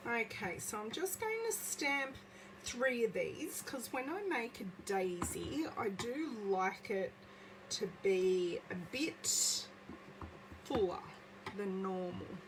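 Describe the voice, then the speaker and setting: An Australian woman with a slight croak in her voice, chatting casually with viewers during a live craft demonstration at home. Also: medium pitch, very animated, slow, background noise. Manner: chatty, greets viewers by name. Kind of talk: casual live-stream craft demo chat. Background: movie playing in background.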